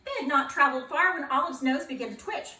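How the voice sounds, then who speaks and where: A woman reading a children's picture book aloud in a playful, expressive way, asking her young listeners questions. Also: high voice, fast talker, reverberant, far from the mic.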